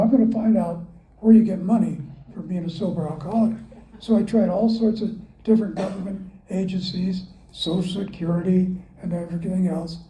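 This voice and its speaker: A man's voice: high-pitched, mellow, reverberant, slight background noise, low-quality recording. An older man at a recovery meeting, telling his story in a folksy, self-mocking way. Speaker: AA speaker. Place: club meeting room.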